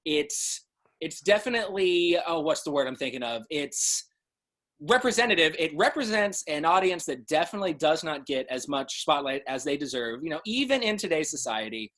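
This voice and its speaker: A young man hosting an interview in an animated, showy way, enthusiastic and playful. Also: a little high, moderate pace. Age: young adult. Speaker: interview host. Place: video call from indoors.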